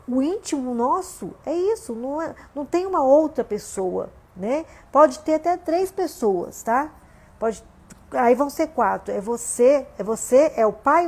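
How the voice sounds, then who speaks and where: A woman's voice: high-pitched, a little mellow, slightly rough. A Brazilian woman pastor with a Brazilian Portuguese accent, preaching a conversational livestream sermon from home and often asking "né?". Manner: conversational preaching, frequent "né?" and "gente".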